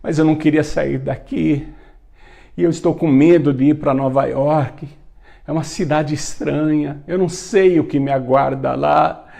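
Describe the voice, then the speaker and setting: A man's voice: mid-range voice, very animated, slow pace, vocal fry, few pauses, mellow, heavily acted. A man voicing a frightened, poor sixteen-year-old farm boy who pleads through sobs. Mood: tearful. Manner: sobbing, pleading.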